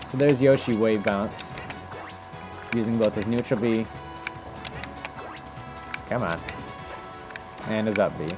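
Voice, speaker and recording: A man's voice: lowish voice, slow, long pauses. A man giving casual, improvised commentary as he demonstrates techniques in a video game, thinking aloud in an informal way. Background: music.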